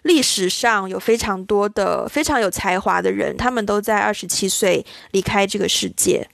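A woman's voice: mid-range voice, normal speed, vocal fry, no echo, clean studio sound. A woman, co-hosting a casual podcast in a reflective conversational manner. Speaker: podcast co-host.

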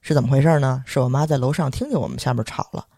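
Young man with a Beijing accent, podcast storyteller, rapid-fire, high-ish voice, dry close sound, indignant and animated. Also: gravelly, breathy edge, no room sound. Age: young adult. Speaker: podcast co-host. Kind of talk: storytelling casual chat.

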